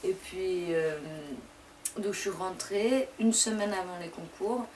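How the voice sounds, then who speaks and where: With a mid-range, darkish voice, a young French woman whose native language is Persian tells her personal story in interview answers as a deputy mayor. Her delivery is conversational and loosely paced with many pauses, and the mic sits far back, picking up clear background noise.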